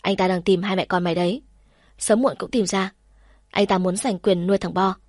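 A woman's voice: mid-range voice, steady tone, fairly quick, a little mellow, dry recording, clean studio sound, close to an everyday voice. A woman voicing a blunt, caring young best friend. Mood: earnest.

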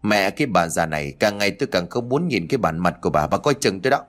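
A man voicing a harsh young mother who scolds her mother-in-law in a rude, fast voice. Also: low-pitched, lively intonation, a bit bright. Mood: scolding.

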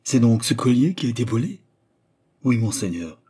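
A man's voice: medium pitch, very animated, moderate pace, dark tone, husky. A man voicing an anxious, pleading male court jeweler with an insistent manner.

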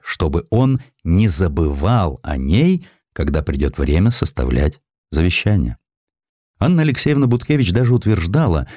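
A man narrating a literary historical story as an audiobook, in a measured, dramatic storytelling manner. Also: deep voice, mellow, no echo, studio quality. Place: dry studio.

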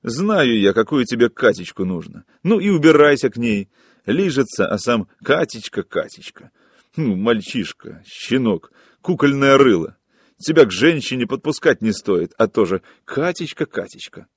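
A man voicing a coarse, hostile young woman who mocks and scolds in shrill, harsh taunts. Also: sing-song, moderate pace, husky, dry recording, studio quality. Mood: scornful, angry.

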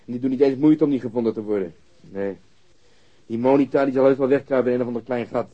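An actor playing a cynical, blunt police detective in a radio drama, talking casually and sardonically. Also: male voice, mid-range voice, quick pace, highs cut off, close to an everyday voice. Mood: sardonic amusement. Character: cynical, coarse, amused male police detective.

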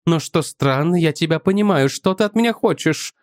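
A man's voice: a little high, lively intonation, normal speed, no echo, studio quality, voice pushed up, natural voice. A man voicing a dreamy, capricious young woman, a sacred courtesan, in an audiobook. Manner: wondering, capricious. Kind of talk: audiobook character voice.

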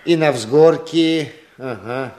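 A man's voice: on the high side, slow, darkish tone. An actor playing a hearty, eager village organiser in a radio drama, folksy and encouraging as he rallies the men. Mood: pleased, musing. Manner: folksy, encouraging, musing aloud. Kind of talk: Russian radio drama acting.

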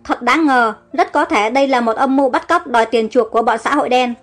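A level-headed, suspicious young brother, as a woman narrator reads him talks things through in an audio storybook. The voice is high. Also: a little fast, soft background music. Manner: reasoning, suspicious.

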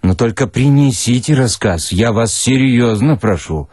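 A man's voice: medium pitch, lively intonation, a little slow, darkish tone, slightly rough, no room sound. A man voicing a stern newspaper manager with a dry, commanding manner, in a dramatic story reading. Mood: grudging.

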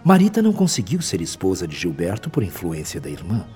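An actor with a Brazilian accent playing a wise, gentle male spirit mentor in a radio drama, speaking in a measured, solemn, didactic way. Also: sits low, huge pitch swings. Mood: solemn, caring. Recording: long reverb, music behind.

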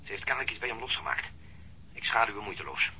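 A very bright, forceful male voice as a detective in a radio play. He reports quickly and urgently in clipped phrases, with faint noise behind him. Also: on the low side, sing-song, heavily acted, poor audio. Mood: focused reporting. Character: keen male police detective tailing a suspect. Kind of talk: Dutch radio drama acting.

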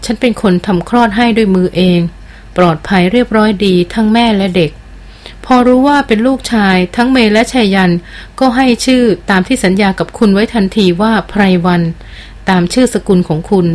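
A woman's voice: medium pitch, darkish tone, natural voice. A woman voicing an earnest noblewoman explorer. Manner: earnest, urgent.

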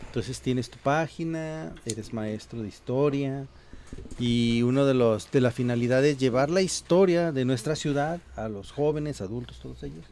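A man's voice: mid-range voice, normal speed, a little mellow. A man co-hosting a casual talk show, making quips and chiming in often. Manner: joking, affirming interjections. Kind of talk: casual radio chat.

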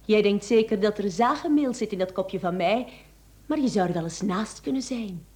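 An actress with a Flemish accent playing a young mistress in a radio play, teasing, coaxing and calculating. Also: female voice, medium pitch, moderate pace, a little mellow, natural voice. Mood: defiant, scheming. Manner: coquettish, teasing.

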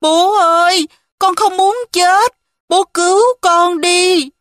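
A woman's voice: high voice, big pitch swings, slow pace, a bit bright, dry recording, clean studio sound, heavily acted. A woman voicing a frightened young girl who pleads tearfully for help. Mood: pleading, frightened.

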